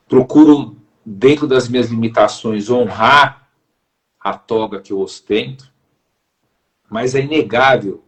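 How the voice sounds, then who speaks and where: A middle-aged man with a Brazilian Portuguese accent, a judge speaking as an interview guest in a measured, formal and deliberate manner. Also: fairly low pitch. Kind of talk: reflective interview talk.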